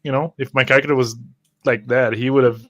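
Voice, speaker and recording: A man's voice: medium pitch, steady tone, a little fast, a bit bright, highs cut off. A man speaking casually as a player in a tabletop roleplaying game. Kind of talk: casual chat.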